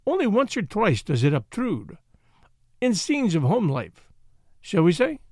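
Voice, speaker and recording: An older French gentleman detective, with a raised, animated pitch. He is vain, courteous and kindly, and places his formal phrases with theatrical emphasis. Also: measured pace, slightly rough, dry recording, studio quality, full character voice. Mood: teasing, kindly.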